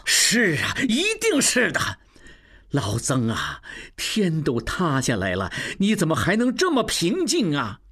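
A man's voice: medium pitch, wildly swooping pitch, moderate pace, fairly bright tone, slightly rough, full character voice. A man voicing an agitated, scheming male merchant in an audiobook. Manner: agitated, pressing.

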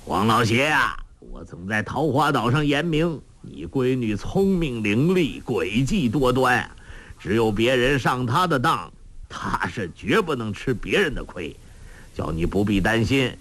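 Man doing old beggar martial master, hearty, teasing, slow drawl. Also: mid-range voice, big pitch swings, a bit bright. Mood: jovial.

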